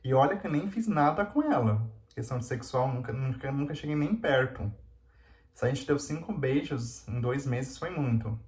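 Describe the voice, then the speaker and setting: A man's voice: medium pitch, expressive, moderate pace, a little mellow. A man telling a personal story to camera in a candid, confessional way, with lots of fillers. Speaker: vlogger. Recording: roomy echo.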